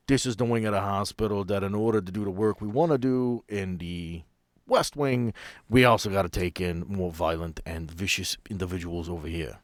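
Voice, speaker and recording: A man voicing a gruff, plain-spoken hospital guard in a tabletop game, folksy and matter-of-fact. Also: on the low side, no echo, studio quality, close to an everyday voice.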